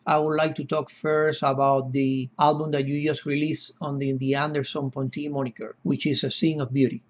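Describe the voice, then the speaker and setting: A man's voice: a little high, muffled recording. A man in his fifties, born in Cuba, hosting a podcast interview in an earnest, effusive and formally worded way. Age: 50s. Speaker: podcast host.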